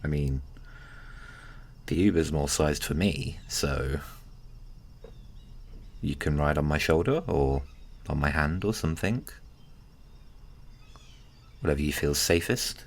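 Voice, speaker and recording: A man playing an easygoing, gently teasing giant friend in a casual, hesitant, intimate ASMR roleplay. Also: extremely low pitch, heavily acted. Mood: reassuring. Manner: hesitant, chuckling, unhurried casual talk.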